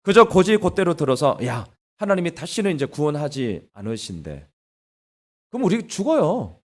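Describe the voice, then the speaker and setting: A man preaching in a church, with a high, lively voice. He swings widely in pitch as he preaches. He acts out blunt scolding lines. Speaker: pastor. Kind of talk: sermon. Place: church sanctuary.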